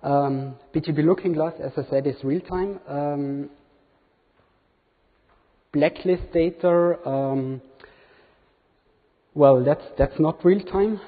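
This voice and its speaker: A man in his thirties, not a native English speaker, giving a hesitant demo talk with many fillers in a large conference hall. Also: medium pitch. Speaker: conference presenter. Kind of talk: live product demo talk. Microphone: room recording from far camera. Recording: tinny, reverberant hall from far off.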